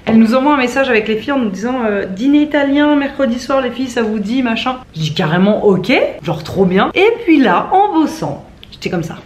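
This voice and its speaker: A woman in her twenties, a vlogger, chats playfully to the camera from home in a fairly high, darkish voice with a faint hiss or hum. She talks briskly and animatedly, barely pausing, and teases and mocks herself along the way.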